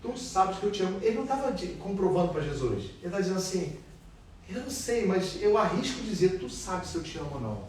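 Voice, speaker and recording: Man teaching Bible study, lively pitch, echoey room from far off with faint noise. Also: quick pace. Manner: animated, questions the class.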